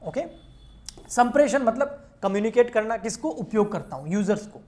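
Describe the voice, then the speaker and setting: A woman's voice: fairly high pitch, lively intonation, normal speed, a little mellow. A woman teaching an exam-prep accountancy lecture. She explains patiently, keeps checking that students follow, and addresses them in a familiar way.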